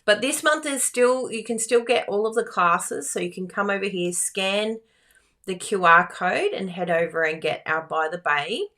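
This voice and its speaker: A woman with a croaky voice, hosting a live card-making class in a chatty, giggly, self-teasing way. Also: mid-range voice, expressive, moderate pace, sharp tone. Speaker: card-making instructor and livestream host. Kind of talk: live craft class chat.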